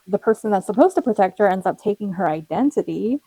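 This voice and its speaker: Casual tarot reader, young woman, rambling and friendly, voice going hoarse. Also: mid-range voice, lively intonation, quick pace, mellow, dry recording, rough recording. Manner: chatty, rambling, with frequent fillers and little laughs. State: losing her voice, slightly cracking. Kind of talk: casual tarot reading to viewers.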